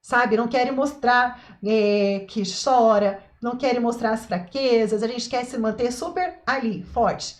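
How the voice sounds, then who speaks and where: A woman's voice: on the high side, a little slow, few pauses. A woman hosts a parenting live stream, praising viewers and asking them questions. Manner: warm, encouraging, asks the audience questions.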